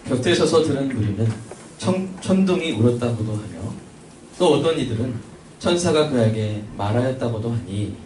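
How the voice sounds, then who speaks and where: Korean pastor preaching in an echoey church. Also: male voice, mid-range voice, normal speed, slight background noise. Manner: lively preaching, questions to the congregation. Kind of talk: sermon. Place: church sanctuary. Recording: echoey church from a distant mic.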